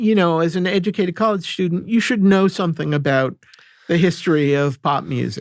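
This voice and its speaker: A man with an American accent speaks at a fairly quick pace in a high voice with ordinary pitch variation, in a dry, close recording with no echo that is very clean against a silent background. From New England, Boston area. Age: 60s. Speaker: music professor and composer. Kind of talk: podcast interview.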